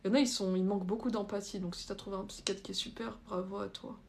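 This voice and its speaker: A woman's voice: mid-range voice, flat delivery, fast talker, gravelly, a little hiss or hum. A young adult woman chatting informally on a livestream, reading out comments and answering them bluntly in hesitant, loose phrasing. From France. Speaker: livestream host. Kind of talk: casual live chat, reading out and answering viewer comments.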